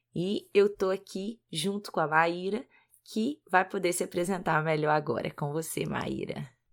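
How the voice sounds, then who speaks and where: Her voice has vocal fry and a fairly low pitch, with ordinary pitch variation. The woman speaks slowly-ish in a Minas Gerais accent on a very clean recording with a silent background. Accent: Minas Gerais Brazilian Portuguese. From Minas Gerais, Brazil. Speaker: podcast host, psychologist. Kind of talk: podcast self-introduction.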